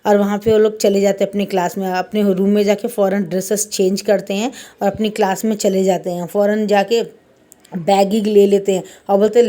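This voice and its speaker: A woman's voice: medium pitch, mellow. A woman casually retelling a fan-fiction story in a loose, chatty way, often repeating "he says" between lines.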